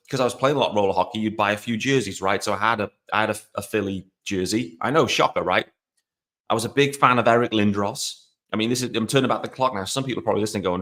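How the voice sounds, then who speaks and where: A man's voice: mid-range voice, fairly bright tone. Rambling Welsh man hosting a podcast. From South Wales. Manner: rambling, conversational, self-deprecating. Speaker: podcast host. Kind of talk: casual solo podcast talk.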